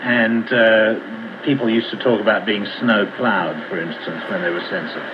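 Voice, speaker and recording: Male interviewer, fairly low pitch, conversational questions, muffled shortwave sound. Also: steady tone, normal speed. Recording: noisy muffled shortwave radio reception.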